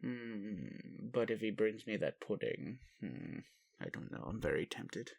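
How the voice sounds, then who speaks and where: A man playing a gentle, puzzled alien daddy in an intimate roleplay audio, indulgent and bemused, with questioning hesitations. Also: lowish voice, expressive, measured pace, vocal fry, dry recording, heavily acted. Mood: playful, bemused. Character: gentle, puzzled alien daddy, adult male spaceship commander. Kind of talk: intimate roleplay audio, speaking to one listener.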